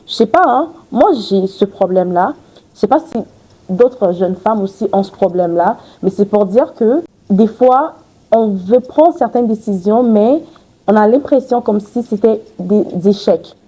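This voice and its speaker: A chatty woman hosts a podcast in a warm, mellow voice. She talks in loose, gushing runs full of fillers and restarts. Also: medium pitch, expressive, unhurried, breathy edge, low-quality recording. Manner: chatty, effusive, many fillers. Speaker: podcast host. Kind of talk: casual interview chat.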